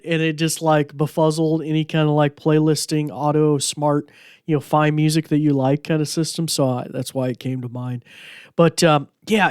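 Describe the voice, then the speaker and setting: A man hosts a podcast, demoing a gadget while chatting casually and rambling with plenty of fillers. His fairly high voice is smooth, captured in a dry, clean studio recording.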